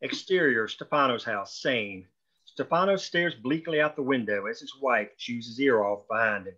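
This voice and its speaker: A man narrates screenplay stage directions at a table read. His voice is bright and forward, at a middling pitch, on a dull, lo-fi recording. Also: animated, moderate pace.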